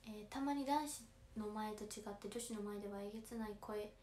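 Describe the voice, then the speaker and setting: A woman's voice: mid-range voice, a little fast, warm tone. A teenage girl with a Kansai accent chatting on a livestream, reading viewer comments aloud and politely answering them. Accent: Kansai Japanese. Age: late teens. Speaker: idol audition candidate livestreaming to fans. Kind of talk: casual livestream chat. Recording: roomy, faint background noise.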